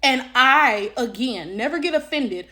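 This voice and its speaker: A woman's voice: sits high, expressive, measured pace, pushed and bright. A woman, giving casual, emphatic commentary with sassy slang and rhetorical check-ins. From Detroit, United States. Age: late 20s. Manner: blunt, sassy, slangy, swearing. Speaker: social media commentator. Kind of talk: casual opinionated commentary to camera.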